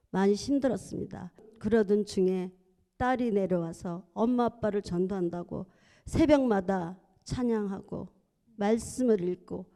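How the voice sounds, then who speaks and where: A woman's voice: mid-range voice, mellow. A middle-aged woman, a church deaconess, giving a heartfelt testimony in a church sanctuary, earnest and at times fervent.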